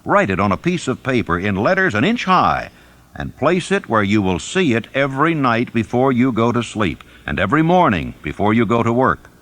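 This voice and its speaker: A man reading a scripted self-help audiobook in a measured, instructive and emphatic manner. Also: mid-range voice, big pitch swings, a bit bright. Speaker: audiobook narrator.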